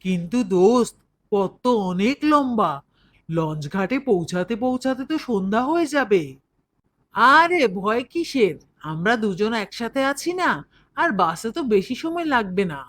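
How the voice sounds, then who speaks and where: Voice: medium pitch, big pitch swings, moderate pace, a bit bright. An actor voicing a brave, devout twelve-year-old schoolboy in a cartoon, confident and reassuring. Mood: cheerful. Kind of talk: cartoon dubbing. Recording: music bed behind voice.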